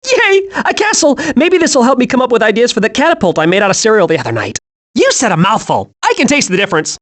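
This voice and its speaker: A hyperactive young male cartoon squirrel for a video game. His voice sits very high and swings wildly up and down. He is childlike, naive and scatterbrained, always eager and cheerful. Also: sing-song, fast, fairly bright tone, heavily acted. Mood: giddy, excited, then chirpy, naive. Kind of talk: animated video game voice acting.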